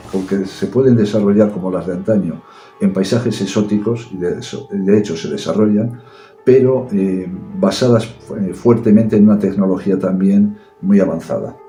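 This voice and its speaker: Very dark-voiced man explaining calmly. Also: on the low side, reverberant. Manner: measured, explanatory, with hesitations. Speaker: guest. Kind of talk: casual chat about books.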